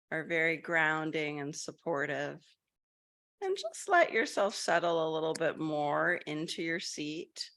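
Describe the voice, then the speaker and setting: A woman leading a group meditation over a video call, talking gently with many fillers and restarts. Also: sits low. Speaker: meditation guide.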